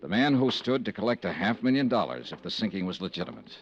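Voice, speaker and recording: An actor playing a cool, suspicious insurance investigator in an old-time radio detective drama, wry and persistent. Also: male voice, fairly low pitch, big pitch swings, fast, a little hiss or hum. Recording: muffled vintage radio recording.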